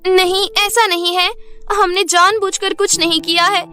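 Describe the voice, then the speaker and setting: A woman's voice: very high-pitched, fairly even intonation, unhurried, sharp tone, heavily acted. A woman voicing an earnest, meek young princess in a cartoon story, with a pleading manner. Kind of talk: Hindi cartoon story dubbing. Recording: music bed behind the voice.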